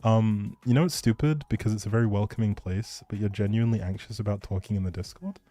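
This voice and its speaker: Laid back guy streaming games, soft mellow voice, super dry audio, chatting casually w viewers. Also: lowish voice, fast, dry recording, faint music behind. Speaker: live game streamer. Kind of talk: casual livestream chat with viewers.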